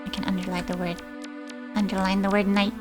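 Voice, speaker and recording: A woman casually narrating her way through a game on stream, now and then reading the on-screen poems aloud. Her voice sits at an ordinary middle pitch. Game music plays clearly beneath her. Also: level tone, fairly quick. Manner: reads in-game poems aloud, chats to chat. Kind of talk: casual gameplay commentary. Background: game music and insect sounds.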